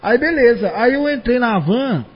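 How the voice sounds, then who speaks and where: A man's voice: very high voice, expressive, normal speed, breathy edge. A man hosting a casual podcast chat, jumping in with slangy reactions and his own stories. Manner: reactive, laughing, slangy interjections. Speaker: podcast host. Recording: dull, lo-fi recording.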